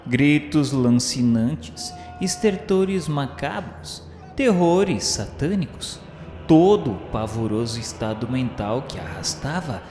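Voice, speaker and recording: A man's voice: medium pitch, animated, slow pace, darkish tone. A Brazilian man giving a solemn, emphatic and theatrical narration of a literary radio drama. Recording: echoey reverberant hall sound with music. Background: music.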